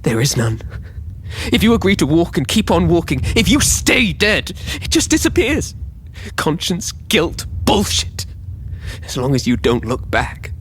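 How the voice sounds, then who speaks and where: A man's voice: fairly high pitch, sing-song, measured pace, a little hiss or hum, pitched above the performer's own voice. A man performing a dramatic monologue as a bitter, defiant survivor, with an intense delivery. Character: bitter, guilt-defying man who survived by chance.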